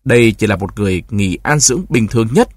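A level-headed schoolboy, read by a grown man, earnest and reasoning. The voice is husky and dry and stays close to the reader's own, as in a storybook. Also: fairly low pitch, animated, fast, no room sound.

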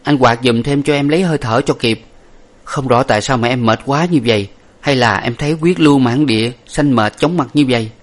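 Guy doing a hurt young wife voice, higher and breathy, begging softly. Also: fairly quick, close to an everyday voice. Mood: weary. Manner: soft, pleading, tearful. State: weak and breathless. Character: gentle young wife, wounded, self-sacrificing.

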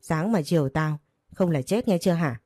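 A woman's voice: low-pitched, animated, moderate pace, mellow, dry recording. Woman voicing a drunk, bullying husband. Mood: snarling. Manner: snarling, bullying. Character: drunk, brutal, threatening young husband.

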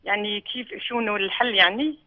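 A woman's voice: mid-range voice, brisk. A woman calling in, effusive and hesitant, full of fillers. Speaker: caller. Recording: narrow phone line with dropouts.

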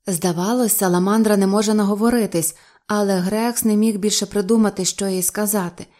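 A woman reading a novel aloud as an audiobook narrator, in an even storytelling manner. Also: mid-range voice, brisk. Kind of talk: scripted narration.

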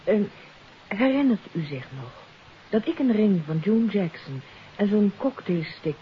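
An actress playing a troubled countess in a 1950s radio mystery, confessing earnestly and hesitantly. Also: female voice, mid-range voice, big pitch swings, a little slow. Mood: regretful, reflective. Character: troubled countess confessing her part in a kidnapping. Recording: hissy, dull 1950s radio recording.

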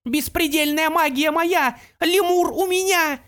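A gloating, shrieking pixie villainess from an audiobook, her voice soaring very high and loud, as a male narrator puts her on. She is vicious and furious, drawn out with slow, spiteful emphasis. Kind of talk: audiobook character voice.

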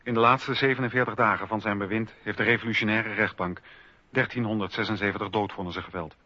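A man narrating a scripted radio documentary in a measured, formal storytelling manner on a lo-fi recording. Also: fairly low pitch, fairly even intonation, bright, forceful tone, no room sound.

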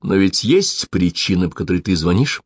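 A man reading the lines of a cold, disapproving middle-aged mother in a flat, deadened tone. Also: sits low, moderate pace, husky, dry recording, studio quality, exaggerated voice.

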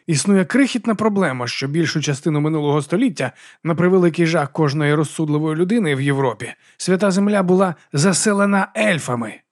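A man's voice: sits high, fast talker, darkish tone, voice pushed up. A man voicing an indignant, fussy monk who lectures earnestly.

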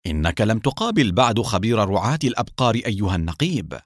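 A man voicing an amused, chatty male informant in a raised, lively tone. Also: lowish voice, fast talker, no room sound, studio quality.

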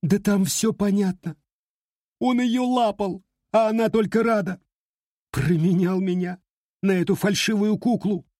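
A man's voice: high-pitched, unhurried, darkish tone, no echo, studio quality, voice pushed up. A man voicing a tearful, heartbroken young woman who speaks in a whiny, pleading way while crying. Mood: sobbing, jealous.

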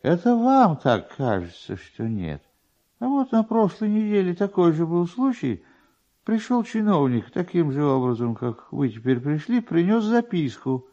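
A man voicing an officious, pedantic, slow-witted male newspaper clerk in a dramatised literary reading, drawing his words out. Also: fairly high pitch, sing-song, warm tone, voice pushed up. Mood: officious, reluctant. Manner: deliberate, drawn-out, pedantic. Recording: dull, lo-fi archive radio recording.

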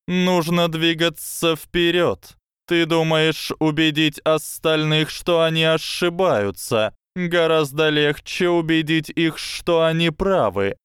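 A man's voice: on the high side, a bit bright, smooth, no echo, clean studio sound, voice pushed up. A man putting on a hissing sardonic snake. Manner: slow, lecturing, conspiratorial. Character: sardonic scheming male snake, cunning mentor. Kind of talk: audiobook character voice.

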